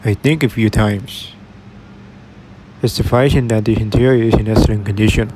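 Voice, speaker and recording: Young dude from oregon, kinda low voice, matter-of-fact vlog walkthrough. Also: male voice, fairly even intonation, moderate pace, noisy background. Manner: plain, matter-of-fact commentary. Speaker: retail explorer vlogger. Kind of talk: casual walkthrough narration.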